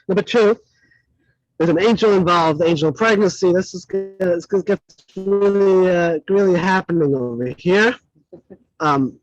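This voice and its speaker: Animated man teaching a class. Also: a little high, no room sound. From Switzerland. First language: not English. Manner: animated, self-correcting, chatty asides. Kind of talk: classroom lecture with audience questions. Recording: dull lo-fi dry recording.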